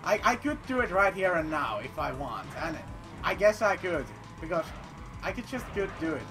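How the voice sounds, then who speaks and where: A man who is not a native English speaker, commentating his gameplay in a rambling, playful way. He repeats phrases and bursts into loud declarations. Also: sits high, sing-song, normal speed, music in the background. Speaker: let's play commentator.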